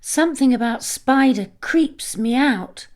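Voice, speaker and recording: Woman voicing a nervous high-pitched little boy caterpillar. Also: lively intonation, measured pace. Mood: uneasy. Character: nervous young boy caterpillar, curious and cautious.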